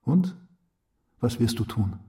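An actor playing a calm, unruffled man, a quietly probing housemate in a literary radio drama, composed and terse. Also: mid-range voice, slow.

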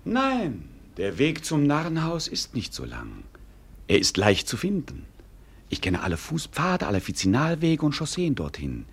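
A carefree mocking jester in a german radio play, highish voice all over the place, hammy declaiming. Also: male voice, wildly swooping pitch, measured pace, slightly rough, exaggerated voice. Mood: dry, mocking. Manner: declamatory, mock-pompous. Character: witty drinking jester, carefree, earthy mocking male companion.

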